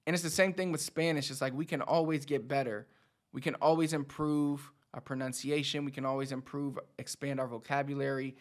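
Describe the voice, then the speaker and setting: A man's voice: medium pitch, steady tone, fairly quick. A man in his thirties talking casually and motivationally to his audience as a teacher, conversational, repeating words for emphasis. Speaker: Spanish teacher and channel host. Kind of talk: casual motivational talk to camera.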